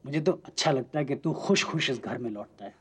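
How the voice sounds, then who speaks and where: A playful, husky-voiced doting father. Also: mid-range voice, animated, a little fast. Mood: playful reassurance. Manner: teasing, theatrical, mock-formal with the child. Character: playful, doting father of a young child, secretly wistful. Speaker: actor in a TV serial. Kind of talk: Hindi TV serial drama acting.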